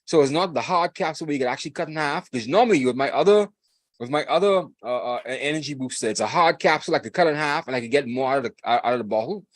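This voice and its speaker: A man in his forties talks fast, hosting a podcast with a rambling, excitable energy. He repeats himself, laughs a lot and never slows down. His voice sounds close and dry, with no room around it. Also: on the high side, dry recording. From Bahamas. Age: 40s. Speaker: podcast host. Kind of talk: casual chat.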